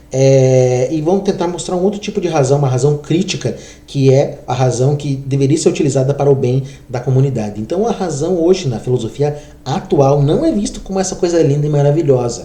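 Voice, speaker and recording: A man's fairly high voice at a fairly quick pace, ordinary pitch variation, audible room echo and noticeable background noise. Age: 30s. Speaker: philosophy teacher. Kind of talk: lecture. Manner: fast; conversational.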